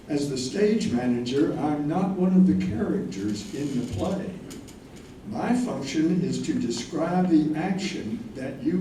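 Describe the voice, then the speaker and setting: A man acting as stage manager, giving a formal, measured scripted introduction to a live audience at a play reading. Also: fairly high pitch, warm tone. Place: large indoor room with an audience. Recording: distant mic, very echoey hall, faint noise.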